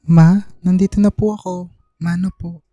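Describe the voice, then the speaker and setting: A woman's voice: fairly low pitch, steady tone, normal speed, mellow, dry recording, lo-fi sound, soft background music, close to an everyday voice. A woman playing an insecure young gay student in an emotional, hesitant radio drama performance. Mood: nervous, evasive. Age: young adult. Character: tipsy, insecure young gay student, self-doubting and giggly.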